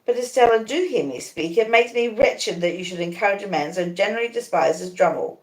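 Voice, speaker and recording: A woman voicing an earnest, wretched young gentleman who pleads emphatically in a story reading. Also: mid-range voice, lively intonation, a little fast, roomy sound, natural voice, rough recording. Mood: earnest, pleading.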